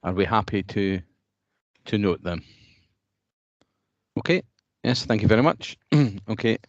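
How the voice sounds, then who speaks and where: A man's voice: on the low side, animated, unhurried, no room sound, lo-fi sound. A man chairing an online meeting, hesitant with many fillers and restarts.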